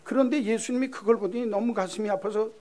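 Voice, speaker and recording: Male pastor, emphatic sermon delivery, high-pitched, rhetorical questions. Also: steady tone, fast talker, dark tone.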